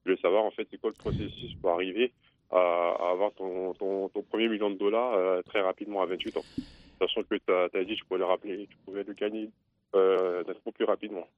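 Hesitant guy in his 20s calling in, really deep voice, tinny dry phone sound. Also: level tone, quick pace, no echo. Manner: hesitant, full of fillers. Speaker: caller. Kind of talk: phone-in question.

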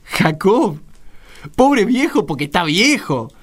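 An actor playing a bitter, sarcastic poor young villager in a radio drama, with an Argentine accent. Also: male voice, sits high, big pitch swings, slow pace, heavily acted. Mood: sarcastic, defiant. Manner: sarcastic, argumentative, exclamatory. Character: bitter poor young Galilean man, mocking, hard-drinking.

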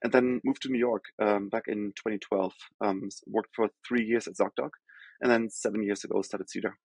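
A man from Germany with a German accent, a company founder explaining things in a measured podcast interview, often pausing with "um". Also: fairly low pitch, fairly even intonation, gravelly, darkish tone, breathy edge, poor audio. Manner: measured, explanatory, frequent "um" and self-corrections.

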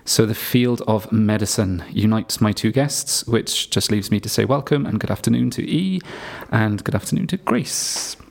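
A man hosting a podcast, reading a scripted introduction and asking measured, polite questions. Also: fairly low pitch, vocal fry. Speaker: podcast host.

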